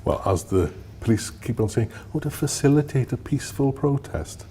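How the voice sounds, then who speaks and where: A man in his sixties, a former police officer, speaking to an interviewer in a measured, firm way. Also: mid-range voice, animated, warm tone, a little hiss or hum. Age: 60s. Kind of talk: documentary interview.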